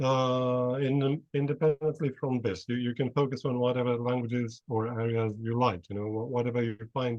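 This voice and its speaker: Fairly even intonation in a Romanian accent, at a moderate pace with hardly any pauses. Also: man, medium pitch for a man. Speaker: collaborator in online university project. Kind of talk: video call meeting. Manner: halting.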